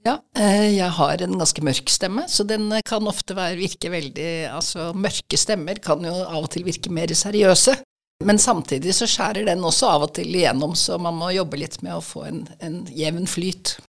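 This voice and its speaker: A woman's voice: lowish voice, gravelly. A woman guest speaking thoughtfully, with some hesitation, about her own voice. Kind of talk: casual chat.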